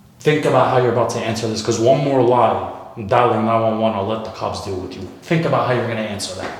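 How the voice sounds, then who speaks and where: A man talks very fast at a medium pitch with fairly even intonation. Audible room echo and noticeable background noise surround him. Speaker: predator-catching vlogger. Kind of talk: confrontational interrogation. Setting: apartment complex lobby. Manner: loud.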